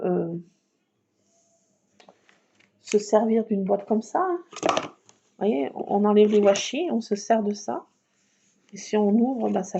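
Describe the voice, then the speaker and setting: A woman chatting through a casual craft tutorial at home at night, keeping her voice hushed and often slipping into a whisper, with rambling asides. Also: mid-range voice, gravelly. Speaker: craft video maker. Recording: muffled lo-fi with faint noise.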